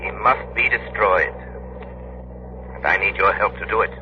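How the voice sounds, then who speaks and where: An actor playing a calm, commanding male crime-fighting hero in a 1930s radio drama, giving firm, measured instructions. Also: deep voice, natural voice. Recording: noisy, muffled 1930s radio recording.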